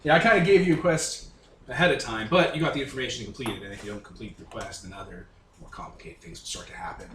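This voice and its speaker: A man's voice: mid-range voice, fast talker, a bit bright. A man casually improvising narration as game master of a tabletop game, talking informally. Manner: informal, conversational. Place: indoor room with other players. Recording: echoey room, far from mic, faint noise.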